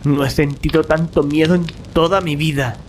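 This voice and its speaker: An actor playing an earnest young gentleman haunted by horror, intense and dramatic, in an audio drama. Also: fairly high pitch, steady tone, normal speed, a little hiss or hum, close to an everyday voice. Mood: shaken.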